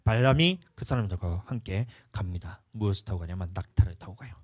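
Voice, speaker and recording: A man's voice: sits low, a little fast, no echo. A male pastor preaching a sermon, telling stories and acting out the dialogue in different voices. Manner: animated storytelling, acts out dialogue in different voices.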